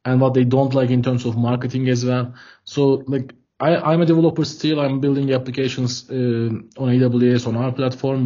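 A man's voice: mid-range voice, dark tone, slightly rough. A man from Turkey with a Turkish accent, answering interview questions over a video call, hesitant and repeating words as he thinks. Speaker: guest, product head of a developer tool startup. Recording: dull lo-fi call audio.

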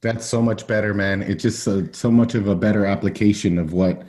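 Male American interview guest, mellow and relaxed, lower pitch, conversational personal storytelling. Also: brisk. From Miami, Florida, USA.

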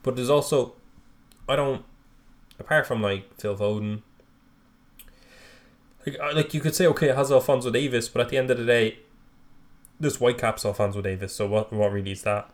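A man's voice: mid-range voice, normal speed, long pauses. A man co-hosting a podcast, chatting casually with rambling, self-mocking banter and the odd swear. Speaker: podcast co-host. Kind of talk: casual chat.

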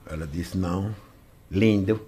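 A man's voice: low-pitched, measured pace, warm tone. A man telling crude stories on a casual podcast, boisterous and acting out every line of dialogue. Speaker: guest storyteller.

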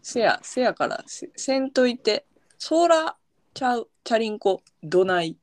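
A woman's voice: on the high side, big pitch swings, unhurried, no room sound. A woman with a Kansai accent, a podcast co-host, easygoing in casual chat as she reels off dialect words.

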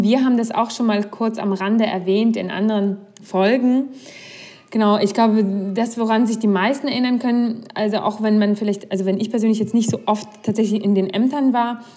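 A woman's voice: medium pitch, fairly even intonation, a little fast, dark tone. A young woman hosting a podcast, talking candidly in a casual conversation and thinking aloud with restarts. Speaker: podcast host.

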